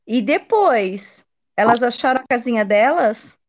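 A woman with a high voice interviews children in a casual chat. She reacts with encouraging exclamations. The recording is a little dull and lo-fi. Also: expressive, unhurried.

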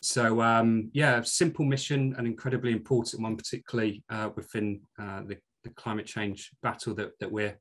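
Middle-aged Scottish man, low voice, earnest podcast guest, full of fillers. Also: flat delivery, normal speed, few pauses, fairly bright tone. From Scotland. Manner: earnest, with frequent fillers and restarts. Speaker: guest, commercial director. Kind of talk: podcast interview.

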